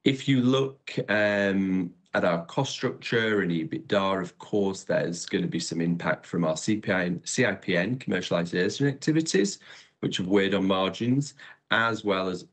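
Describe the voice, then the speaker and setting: A man presenting company results as chief executive on an earnings call, in a measured, businesslike and upbeat way. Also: low voice, breathy edge.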